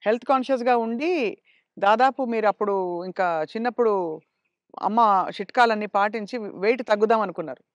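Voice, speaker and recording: A man's voice: high voice, brisk, pauses often, no room sound, lo-fi sound. A man interviewing a guest, asking questions and prompting with short murmured agreements.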